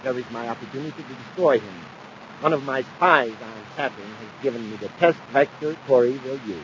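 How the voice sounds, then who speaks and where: A man's voice: medium pitch, fairly quick, natural voice. A vain, imperious nobleman villain acted by a man from a 1950s radio adventure. He speaks with pompous, theatrical grandeur. The old recording is dull and slightly noisy. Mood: imperious, confident. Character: vain, imperious aristocratic villain bent on ruling the universe.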